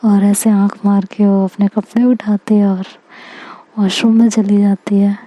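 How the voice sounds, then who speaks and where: A woman narrating a romantic audio story, slow and soft, often slipping into whispers. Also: mid-range voice, little pitch movement, low-quality recording.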